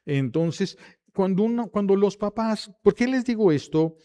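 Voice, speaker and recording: A man preaching a sermon, acting out the voices of family members in quick anecdotes. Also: sits high, animated, dark tone. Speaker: priest.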